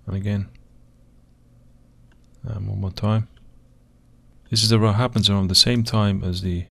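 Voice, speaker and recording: A man with a croaky voice, talking slowly and hesitantly as he steps through video footage, pausing often with fillers. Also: on the low side, steady tone, fairly bright tone, no echo, studio quality. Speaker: video host analysing footage. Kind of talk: slow screen-recorded commentary.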